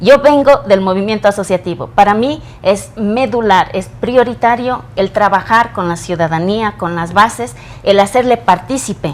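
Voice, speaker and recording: A woman's medium-pitched voice with lively intonation at a fairly slow pace, against noticeable background noise. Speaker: legislator representing emigrants. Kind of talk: interview.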